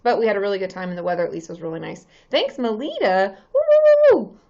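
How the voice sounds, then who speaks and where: A woman in her thirties with a slightly hoarse voice, a therapist chatting casually on a live stream, greeting viewers by name with many ums. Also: mid-range voice, big pitch swings, quick pace, warm tone, dull audio.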